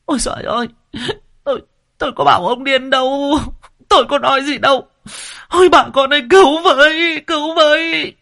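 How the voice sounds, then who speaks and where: A piercing, sharp-edged voice of a frantic wife, crying out in long laments. The tone is gravelly and harsh, pitched very high. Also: male voice, fairly even intonation, brisk, exaggerated voice. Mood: wailing. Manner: wailing, lamenting cries. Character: wailing middle-aged wife, beaten, panicked.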